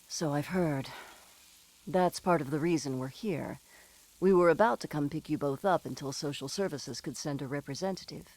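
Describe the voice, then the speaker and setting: A woman's voice: low voice, moderate pace, darkish tone, poor audio. An actress playing a poised, protective middle-aged mother and lawyer in an audio drama, articulate and firm but kindly. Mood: poised, tactful.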